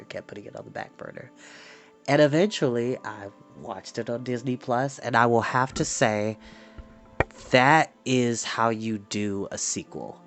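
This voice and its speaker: A man hosting a storytime show, chatting to his audience in a theatrical, animated, exuberant manner. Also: mid-range voice. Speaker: storytime host reading books aloud. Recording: music behind the voice. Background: background ambience music.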